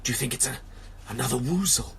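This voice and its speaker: A man's voice: medium pitch, fast, vocal fry, a bit bright, a little hiss or hum. A man voicing a small, timid, anxious storybook piglet with a hesitant, flustered manner. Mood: alarmed.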